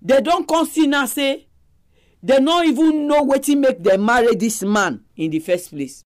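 A woman's voice: sits high, expressive, moderate pace. A woman with a Nigerian accent hosting a Christian family talk program in Nigerian Pidgin, addressing listeners directly. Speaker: radio program host. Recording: music behind the voice. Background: music.

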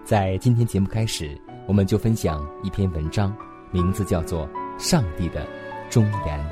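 A man hosting a Christian radio program, calmly reading a devotional text with measured pauses. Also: low voice. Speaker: radio host. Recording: faint music behind the voice. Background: soft background music.

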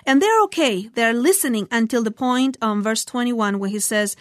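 A woman co-hosting a Bible study discussion, thoughtful and a little hesitant, often pausing with fillers as she reads passages aloud. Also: on the high side, no echo, studio quality. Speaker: co-host.

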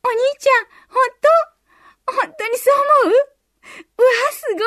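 A woman voicing a playful little sister in a children's story, in a very high girlish voice. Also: normal speed, sharp tone. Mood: delighted.

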